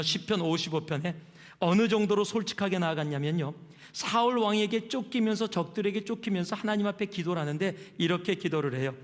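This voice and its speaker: A man's voice: high voice, in a large hall. A man preaching a sermon as a pastor, telling stories and asking the congregation questions in a conversational way. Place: church sanctuary.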